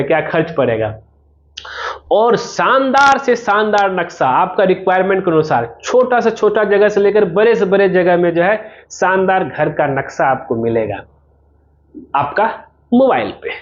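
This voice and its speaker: A man's voice: high-pitched, muffled recording. A man giving an informal promotional explainer as a civil engineer, talking the viewer through his service step by step and directly.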